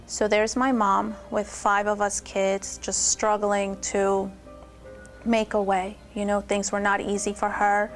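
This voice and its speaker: Young woman from peru telling her story, very flat even voice. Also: mid-range voice, slow pace, soft background music. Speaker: testimony speaker. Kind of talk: personal testimony.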